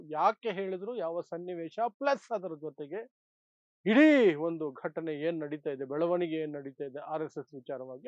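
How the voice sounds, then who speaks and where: A man's voice: sits high, dry recording. A man giving opinionated political commentary, emphatic, with rhetorical repetition in short phrases. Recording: dull, dry lo-fi sound.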